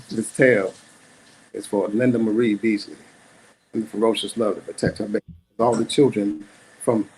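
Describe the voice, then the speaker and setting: A man's voice: lowish voice, darkish tone, husky, poor audio. A middle-aged man performing spoken-word storytelling at an open mic, dramatic, with rhythmic repetition.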